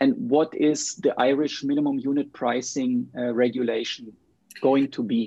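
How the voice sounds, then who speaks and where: Speaking with a German accent, a man of medium pitch uses a dark, mellow tone, fairly even intonation and a moderate pace. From Germany. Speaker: podcast host. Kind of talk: interview. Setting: remote podcast recording.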